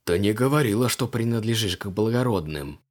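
A man's voice: fairly low pitch, lively intonation, a little fast, lightly acted. A man voicing an arrogant ancient male Sumerian archmage, haughty and pompous.

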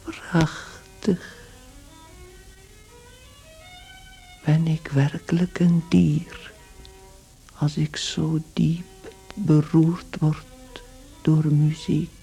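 A man acting a gentle, wistful young man turned beetle in a radio play, brooding aloud over violin music. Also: on the high side, flat delivery, very slow, gravelly, full character voice, rough recording. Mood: despairing, moved.

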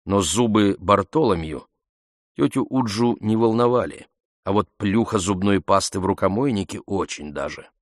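A man narrating an audiobook in a measured, even storytelling manner into a close studio mic. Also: fairly low pitch, no room sound.

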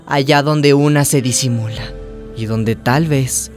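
A woman's voice: extremely low pitch, a little slow, over music. An actress playing a young trans woman hairdresser who tells her life in a radio drama, tender and wounded. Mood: wistful, confiding. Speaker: narrator and lead of a radio drama. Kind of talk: radio drama acting and narration.

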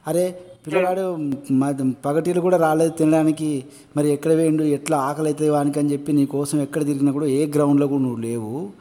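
A man with a Telangana accent voicing his own father from memory, a stern but kind middle-aged villager lecturing calmly. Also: a little high, fast, big-room sound, voice pushed down, lightly acted. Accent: Telangana Telugu.

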